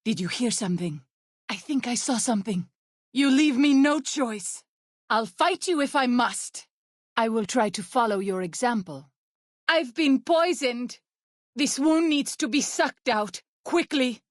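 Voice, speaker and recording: A woman playing an earnest, protective tribal healer in a video game, speaking in formal, measured wording. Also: fairly high pitch, animated, dry recording, clean studio sound. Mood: quiet, regretful, then weary, hurting. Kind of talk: video game character voice lines.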